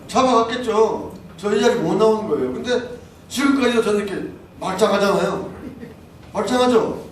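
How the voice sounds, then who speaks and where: A man's voice: sits high, normal speed. Indignant older man in an echoey hall. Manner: insistent, rising to shouted indignation. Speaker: civic group leader. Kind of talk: speech to an audience. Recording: echoey, distant room mic with faint noise.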